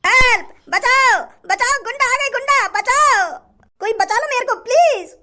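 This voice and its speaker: A shrill, shrieking man, put on by a woman, wailing for help in a comedy skit. The voice jumps very high and slows into drawn-out cries. It sounds frantic and desperate. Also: heavy background noise, heavily acted. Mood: panicked. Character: panicked man screaming for help during a robbery.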